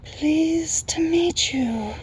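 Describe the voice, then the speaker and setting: High, breathy night goblin. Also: male voice, very slow, full character voice. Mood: curious, delighted. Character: moon-eyed night goblin creature, eager and whispery.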